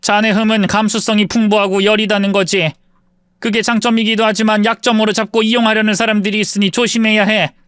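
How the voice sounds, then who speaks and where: A stern older shaman mother, put on by a man gives orders and scolds in a firm, authoritative way. The voice sits high with a dry, close sound. It is part of a dramatized story reading. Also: flat delivery, fairly quick, fairly bright tone, clear, resonant tone, no echo. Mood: scolding. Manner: commanding, scolding.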